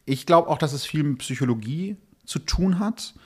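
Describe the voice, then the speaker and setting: A man's voice: a little high, animated, moderate pace, husky. A man talking casually as a podcast guest, explaining things in a colloquial way and acting out little bits of dialogue. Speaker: podcast guest, true crime author. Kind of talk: casual conversational storytelling. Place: indoors at a table in a home.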